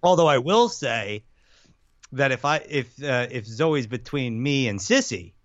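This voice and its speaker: A man's voice: mid-range voice, animated, measured pace. A man co-hosting a radio show with casual, jokey banter and stories, playfully acting out noises and exclamations. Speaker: radio co-host. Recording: dull, roomy, slightly lo-fi radio audio.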